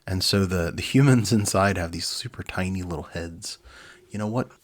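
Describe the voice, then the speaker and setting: A man in his forties hosting a children's book reading, mixing expressive narration with casual, enthusiastic asides. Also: deep voice, normal speed. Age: 40s.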